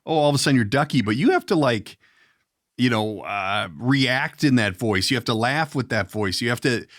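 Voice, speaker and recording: A man's voice: mid-range voice, animated, moderate pace, fairly bright tone, no echo. Rambling male podcast host, close dry sound. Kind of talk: casual interview chat.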